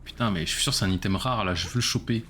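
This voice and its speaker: A man's voice: fairly low pitch, very fast, a bit bright, slight background noise. A man casually commenting on his own gameplay during a live stream, chatty and self-mocking as he talks to his chat.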